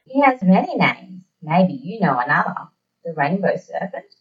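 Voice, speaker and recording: A woman's voice: lowish voice, big pitch swings, moderate pace, far from the mic, lo-fi sound, voice pushed down. A woman voicing a laid-back Aboriginal Australian man who talks in a blunt, kindly, matey way for an audio story. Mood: calm, knowing.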